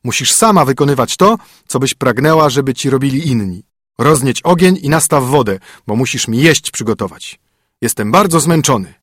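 A man's voice: mid-range voice, animated, normal speed, no echo, studio quality, close to an everyday voice. A man voicing a stern young king disguised as a poor fiddler, commanding, in a storybook reading. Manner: commanding, firm.

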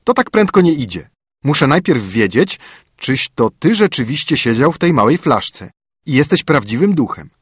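A man doing an eager, husky young student. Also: mid-range voice, big pitch swings, normal speed, dry recording, clean studio sound, pitched above the performer's own voice. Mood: defiant. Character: clever, calm young male student. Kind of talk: storybook reading.

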